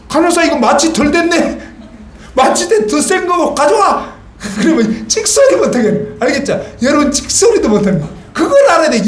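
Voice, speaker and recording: A man preaching a sermon in a church. He talks conversationally, keeps asking the congregation questions and acts out little scenes. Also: very high voice. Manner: questions the congregation and asks for answers. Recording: roomy church hall.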